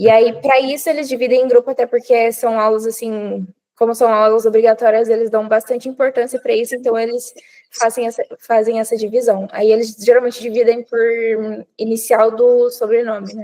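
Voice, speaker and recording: At a moderate pace, a woman speaks in a dark, mellow tone that sits fairly high in pitch, her intonation monotone and flat. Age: 20s. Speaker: medical student. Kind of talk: interview.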